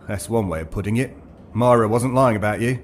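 An actor playing a polite, wry, uncanny fantasy shopkeeper in a horror audio drama. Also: male voice, on the low side, moderate pace, slight background noise, lightly acted. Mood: wry, gentle. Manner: polite, wry, arch phrasing. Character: courteous, droll, uncanny fantasy shopkeeper, male. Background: music.

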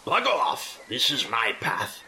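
A man voicing a demented, hostile old male vagrant with an aged, weary, cracking voice and slow, growling rants. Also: mid-range voice, big pitch swings, bright, forceful tone, slight background noise, voice pushed up, heavily acted. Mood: furious. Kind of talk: audiobook character voice.

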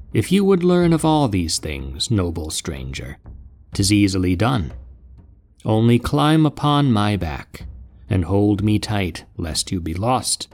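A man's voice: on the low side, a little mellow, heavily acted. Man voicing a stately boastful frog king. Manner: formal, boastful oratory.

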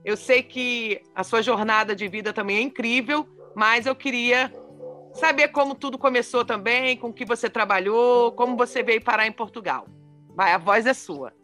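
A woman's voice: fairly high pitch, moderate pace, bright, forceful tone, soft background music. A woman hosting an interview podcast, encouraging her guest and talking with frequent fillers. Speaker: podcast host.

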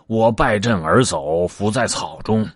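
A man's voice: on the low side, a little slow, breathy edge, no echo, clean studio sound. A man voicing a sly, lazy male pig disciple who coaxes and pleads with hesitant fillers. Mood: coaxing.

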